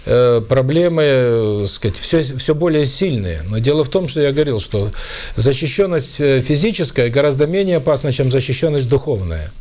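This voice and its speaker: A man's voice: mid-range voice, expressive, normal speed, a little mellow. A man giving a spiritual talk to an audience, speaking with frequent fillers and restarts. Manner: hesitant, many fillers and restarts. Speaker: spiritual lecturer and author. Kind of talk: lecture with audience questions.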